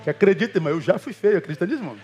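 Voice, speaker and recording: A man gives a sermon as a pastor in a fairly high voice. He tells stories casually and acts out the people in them, calling his listeners brother. Soft music plays faintly behind him. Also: rapid-fire. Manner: animated storytelling with quoted voices; colloquial, addresses listeners as brother.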